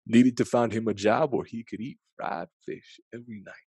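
A man voicing a gentle, honest old grandfather in a storybook, with folksy, reassuring phrasing. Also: fairly low pitch, fairly even intonation, normal speed, breathy edge, no echo, clean studio sound.

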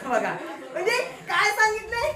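Lively high-voiced Marathi woman teacher. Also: moderate pace, a loud crowd. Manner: playful, teasing, quizzes pupils with call-and-response. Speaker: school teacher. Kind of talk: classroom grammar lesson. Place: classroom full of children. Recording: echoey classroom with children's voices.

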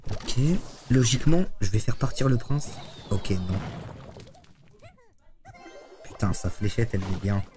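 A man giving live commentary on his own gameplay to chat, excitable and swearing often. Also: lowish voice, a little slow, pauses often, over music. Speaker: streamer.

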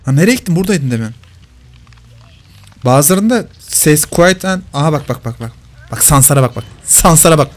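A man's voice: on the high side, expressive, moderate pace, pauses often, soft background music. A man commenting live on his own gameplay, teasing the players he hunts.

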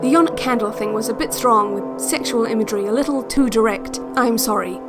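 An actress playing a calm, controlling narrator of a relaxation cassette in an audio drama, speaking in measured, deliberate phrases. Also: female voice, a little high, natural voice. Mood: calm, instructive. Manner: measured, hushed guidance with deliberate pauses. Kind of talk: scripted guided-visualisation audio drama. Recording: voice over loud ambient music. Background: ambient new-age music.

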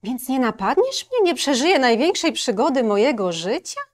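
A woman voicing a small, eager and adventurous girl in a children's storybook reading, with high, excited exclamations. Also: normal speed.

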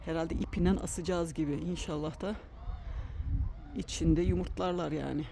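A woman's voice: low-pitched, steady tone, moderate pace, gravelly, mellow, slight background noise. Chatty woman vlogging by her coop. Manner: chatty, thinks aloud while working. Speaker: vlogger tending her chickens. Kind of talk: casual chat to camera. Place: outdoors by a chicken coop. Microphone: phone camera.

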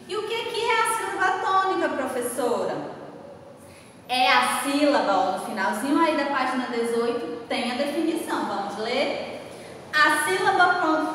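A Brazilian woman teaching young children speaks slowly and patiently, her high voice leaning hard on each stressed syllable. She sits well back from the mic in a booming, echoey room with a long reverb tail and a faint hiss behind her. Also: fairly bright tone. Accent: Brazilian Portuguese. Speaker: schoolteacher. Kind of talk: recorded lesson for children. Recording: echoey room heard from far off.

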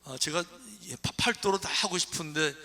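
Bright chatty Korean pastor. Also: male voice, a little high, normal speed. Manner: conversational, chatty, with fillers. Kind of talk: sermon. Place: church.

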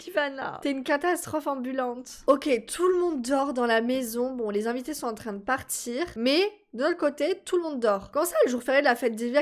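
A young woman giving casual, excitable let's-play commentary, grumbling and bursting out dramatically. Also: on the high side. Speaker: gaming YouTuber.

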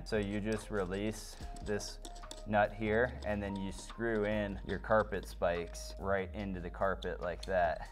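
A young man with a fairly low voice presents products in a casual unboxing style. He talks informally to his viewers and sounds enthusiastic about the gear.

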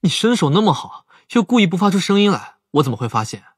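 An actor playing a calm, analytical young male investigator in an audiobook drama, speaking in a measured, reasoning way. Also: high voice, husky, no room sound, exaggerated voice. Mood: gently protesting.

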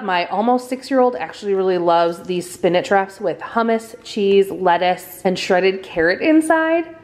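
A woman in her thirties talks through her groceries in a relaxed, chatty way, sprinkling in little fillers as she goes. Her voice sits at an ordinary middle pitch, and she is recorded in a home kitchen. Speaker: vlogger. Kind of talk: casual grocery haul narration.

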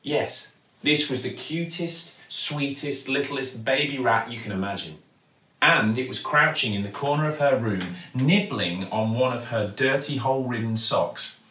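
A British man, an actor, reads a bedtime story in a theatrical, expressive manner at medium pitch, with dramatic pauses and emphasis. He's in a living room at home, recorded by a camera or phone a few feet away, so the sound is roomy.

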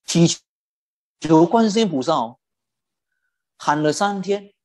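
A Buddhist teacher giving a dharma talk and telling a story in an animated way, stretching out particles like "oh" and "ah". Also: mid-range voice, slow pace.

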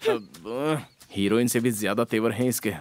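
A man's voice: medium pitch, moderate pace, close to an everyday voice. An actor dubbing a cocky young male hero who keeps teasing with a playful, mocking tone. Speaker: film hero. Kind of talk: dubbed film acting. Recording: film soundtrack with loud music.

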